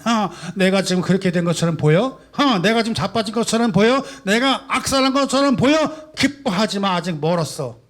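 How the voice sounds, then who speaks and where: Emphatic high-voiced male pastor preaching. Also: animated, fairly quick, few pauses. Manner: emphatic preaching, rhetorical questions, swings from soft to loud. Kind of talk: sermon. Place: church sanctuary.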